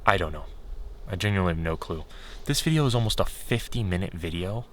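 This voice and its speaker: A man talking in a casual, unscripted vlog style, candid and rambling as he thinks aloud, his voice getting a little hoarse. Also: sits low, lively intonation, quick pace, a bit bright. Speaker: video creator.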